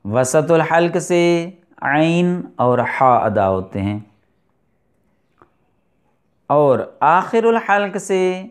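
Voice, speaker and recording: A middle-aged man teaching a recitation lesson, explaining and slowly drawing out letters and verses. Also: fairly high pitch, lively intonation. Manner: slow deliberate articulation of letters, drawn-out recitation. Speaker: tajweed teacher.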